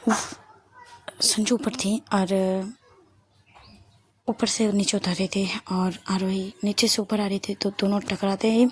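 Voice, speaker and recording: A woman's voice: mid-range voice, a little hiss or hum. A young woman narrating a love story casually, often dropping to a whisper and correcting herself as she goes.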